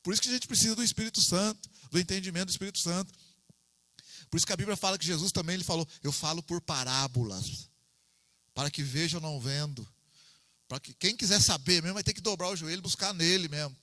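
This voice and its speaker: A man's voice: high-pitched, fast talker, sharp tone, no echo, big-room sound. A man with a Brazilian Portuguese accent, teaching a Bible study as an informal sermon, talking conversationally, repeating himself and calling for amens. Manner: conversational, repeats himself, asks the listeners for "amém".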